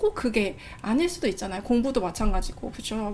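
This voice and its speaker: This is a woman speaking with a fairly high pitch. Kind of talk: casual vlog talk. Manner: fast.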